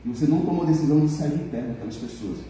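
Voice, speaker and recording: This middle-aged pastor talks very fast in a slightly high, mellow, expressive voice, joking with and teasing his congregation and imitating people in a humorous sermon. A distant mic picks up the echoey church hall plus a bit of hiss or hum.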